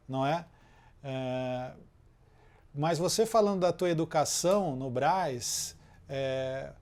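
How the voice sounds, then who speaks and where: Man, interviewer, fairly high voice, chatty, many fillers, loose conversation. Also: darkish tone.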